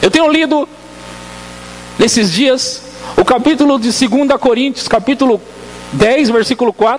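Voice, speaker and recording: Over noticeable background noise, a man with an extremely high pitch talks at very even loudness, pausing long and often. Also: ordinary pitch variation. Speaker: pastor. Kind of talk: sermon. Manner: slow.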